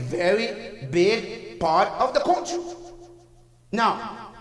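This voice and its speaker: A man's voice: high voice, a bit bright. A man from Africa giving a Friday sermon as imam, earnest and full of rhetorical questions, in a mosque prayer hall. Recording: echoey hall, voice from far off.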